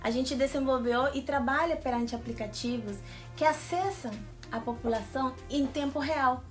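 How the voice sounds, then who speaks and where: The guest on a regional TV interview show: a Peruvian-born, woman with a highish voice, explaining her project keenly. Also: normal speed, faint music behind. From Lima, Peru. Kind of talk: enthusiastic explanatory interview answers.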